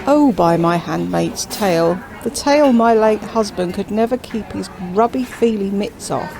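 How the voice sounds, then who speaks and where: A woman's voice: medium pitch, gravelly. A woman voicing a chatty, self-absorbed widowed queen who drawls with grand theatrical emphasis.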